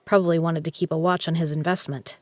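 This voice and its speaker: A woman's voice: deep voice, flat delivery, fast talker, no echo. A woman playing a tough, guarded poker legend in an audio drama, with a blunt, sardonic way of talking. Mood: wry.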